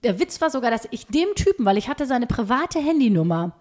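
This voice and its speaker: A woman's voice: a little high, sing-song, a little fast, darkish tone. A young woman co-hosting a podcast, casually telling personal stories in colloquial language. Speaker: podcast host. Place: recorded at a home.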